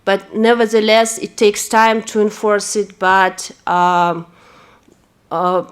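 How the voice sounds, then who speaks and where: A woman's voice: medium pitch, level tone, takes it slowly, smooth. A woman from Kazakhstan, a lawyer giving an earnest, hesitant introduction at a press event, full of fillers. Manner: earnest, personal testimony.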